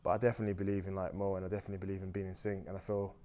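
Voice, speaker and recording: A man's voice: low-pitched, little pitch movement, very fast, dark tone. A young man from Austria, a native German speaker, chatting on a date in a talkative, reflective, rambling way. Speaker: dating show guest. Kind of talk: casual dating conversation.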